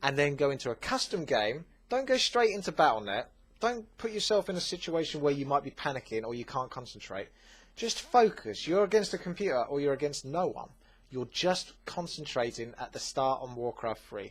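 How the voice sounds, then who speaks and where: On a very clean recording with a silent background, a man with a fairly high voice talks at a fairly quick pace, his pitch swinging very widely. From Essex, England. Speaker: gaming commentator. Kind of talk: Q&A video, casual talk.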